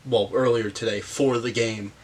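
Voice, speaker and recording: A man with a sick, hoarse voice hosting a casual hockey game breakdown, halting with frequent fillers and pauses. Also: fairly low pitch, fairly even intonation. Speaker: hockey commentary host. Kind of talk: casual sports breakdown monologue.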